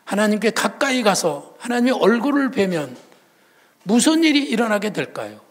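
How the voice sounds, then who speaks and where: A male pastor preaching a sermon in a conversational storytelling manner, his voice swinging between loud and hushed. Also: high-pitched, big pitch swings, moderate pace.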